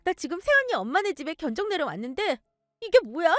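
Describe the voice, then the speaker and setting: A shrill, entitled young sister-in-law, as a woman puts her on, her voice jumping high and wild as she whines. The sound is close and dry. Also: very animated, fast, dry recording. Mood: panicked whining. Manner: shrill, whining, high-strung.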